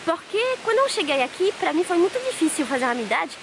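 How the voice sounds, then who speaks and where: A young French woman vlogger talking casually to camera outdoors by a waterfall, animated and searching for words in her second language. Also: very high voice, noisy background. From France. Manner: animated, lots of hand gestures, searches for words. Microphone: camera close up at a table. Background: rushing waterfall.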